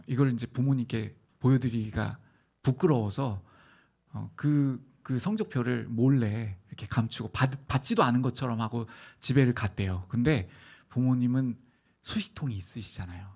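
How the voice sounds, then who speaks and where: A man preaching a sermon as pastor, telling stories with animated, acted-out voices. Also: mid-range voice, husky. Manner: animated storytelling, acting out voices. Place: church sanctuary.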